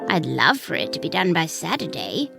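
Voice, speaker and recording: A woman's voice: low voice, wildly swooping pitch, normal speed, vocal fry, heavily acted. Lady doing a cheery fussy weasel guy for a kids story, super swoopy, gushy n polite, music under it. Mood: delighted, eager. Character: cheerful, eager, fussy male weasel homeowner. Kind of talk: children's storybook character voice. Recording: music playing behind the voice.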